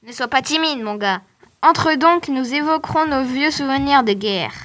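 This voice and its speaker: A woman's voice: sits high, lively intonation, normal speed, a bit bright, no echo. A woman voicing a grumpy old man who believes he is an emperor, barking orders like a general in a storybook. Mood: gruff welcome. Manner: bossy, barking commands. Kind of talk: storybook character voice.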